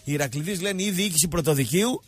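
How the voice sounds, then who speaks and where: Husky-voiced man joking on radio. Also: on the high side, soft background music. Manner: rambling, mocking, jokey storytelling. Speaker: radio show host. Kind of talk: comic sports radio banter.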